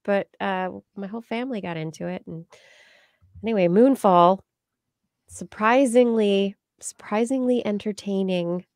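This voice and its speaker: Her medium-pitched, slightly mellow voice moves at a measured pace, and the recording is dry. She's a middle-aged American podcast host, playfully rambling through a casual livestream chat indoors on a video call, speaking close into a large boom-arm microphone.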